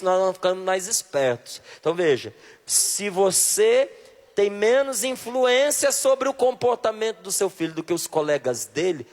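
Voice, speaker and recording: High-voiced preacher from Brasília, reverberant hall. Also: male voice. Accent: Brasília Portuguese. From Brazil, Brasília. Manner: questions the audience directly, emphatic. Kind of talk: sermon. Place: large hall with a live audience. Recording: long reverb of a large hall.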